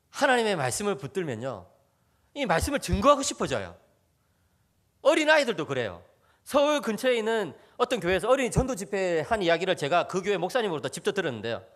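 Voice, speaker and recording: A man preaches a sermon in a church, his voice pitched high for a man. His pitch leaps and dips with each turn of his story, and he keeps calling out to the people in the pews. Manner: animated storytelling, often addressing the congregation. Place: church sanctuary.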